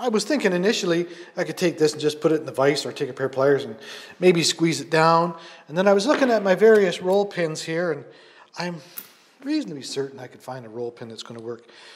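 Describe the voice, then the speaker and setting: A man at a high pitch and a very fast pace, with big swings in loudness. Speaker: hobby tractor restorer. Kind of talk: tutorial. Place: workshop.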